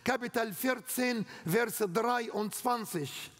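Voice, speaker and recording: A man with an Arabic accent preaching a sermon in slow, emphatic, non-native phrasing, speaking in a church hall. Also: very high-pitched, fairly bright tone. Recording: long hall reverb.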